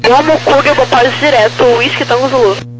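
A woman's voice: sits high, steady tone, moderate pace. Brazilian woman controller on crackly, noisy radio. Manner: procedural, spelling out codes in phonetic alphabet. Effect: crackly aviation radio. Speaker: air traffic controller. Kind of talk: air traffic radio clearances, clipped phraseology.

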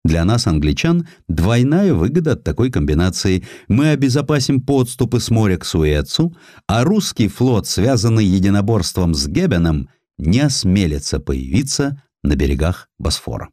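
A shrewd British naval lord acted by a male narrator, confident and calculating. He speaks like an orator, measured yet with wide swings in pitch, in a dry audiobook sound. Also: very animated, warm tone, dry recording.

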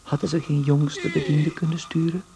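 Radio drama monologue: indignant, sardonic salesman, higher pitch, crowd-like background. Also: little pitch movement, normal speed, creaky. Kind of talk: radio play acting, monologue.

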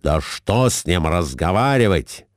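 A man's voice: sits low, very animated, unhurried, no echo, studio quality, pitched below the performer's own voice. A man voicing a flustered middle-aged husband who swings from meek muttering to indignant bluster.

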